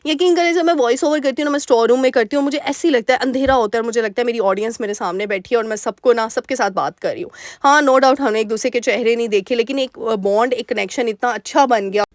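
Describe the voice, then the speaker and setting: A young woman with a sore throat doing a chatty voice-over for her cooking vlog, recorded in a small dark store room. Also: on the high side, fast, few pauses, dry recording, studio quality. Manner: warm, chatty, homely advice-giving. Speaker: vlogger homemaker.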